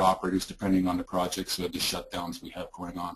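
Over a quiet background, a man talks at a very fast pace. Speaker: crane company training and assessment manager. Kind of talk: webinar presentation. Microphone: video call.

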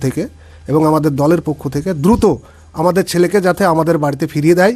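With ordinary pitch variation, this man talks in a high register. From Murshidabad, West Bengal. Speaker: relative of detained worker. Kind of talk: news interview.

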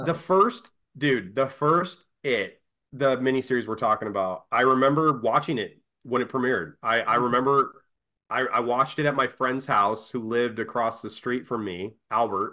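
Bright and sharp in tone, a man with an American accent speaks at medium pitch and a moderate pace, with ordinary pitch variation over a quiet background. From US Pacific Northwest. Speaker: news-parody show co-host. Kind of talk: casual chat. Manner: joking. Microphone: video call.

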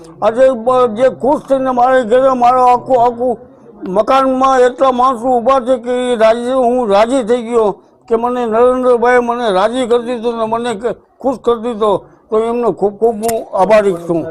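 A man speaks with an extremely high pitch and fairly even intonation. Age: 80s+. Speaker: folk dholak player. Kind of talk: interview. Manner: halting.

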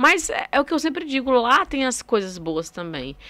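This woman's fairly high voice has a bright, sharp tone. She moves at a moderate pace with very wide pitch swings. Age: 30s. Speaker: digital content creator. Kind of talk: interview conversation. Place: studio. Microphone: studio mic.

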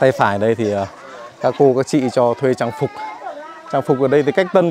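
A man talks at a very fast pace with ordinary pitch variation. The sound is dry with no echo, though noticeable background noise is present. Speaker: travel vlogger. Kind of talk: casual vlog commentary. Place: market. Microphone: phone near.

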